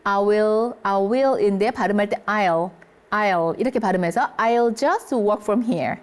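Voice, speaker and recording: A woman teaching English phrases to older learners, speaking them slowly and clearly and checking in often with her listeners. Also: mid-range voice. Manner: lively, encouraging, keeps checking in with listeners. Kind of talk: English lesson for seniors.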